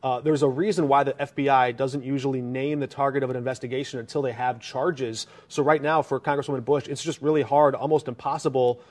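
A male reporter briefing a news anchor in a steady, informative manner. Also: mid-range voice, fairly quick, hardly any pauses.

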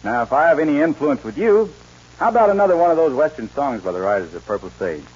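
A man's voice: on the high side, very animated, fast talker, a little mellow, slightly rough. A man hosting a scripted Western radio show as an old-time announcer. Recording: dull lo-fi vintage radio, music behind.

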